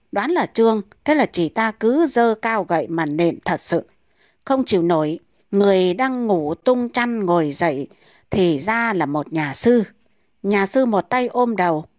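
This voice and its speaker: A woman reading comic folk tales aloud in a brisk, steady storytelling manner. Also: mid-range voice, no echo.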